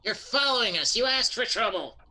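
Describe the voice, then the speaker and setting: A man's voice: very high-pitched, animated, a little fast, bright, forceful tone, low-quality recording. A man playing a tabletop game, bantering casually and crudely with the group.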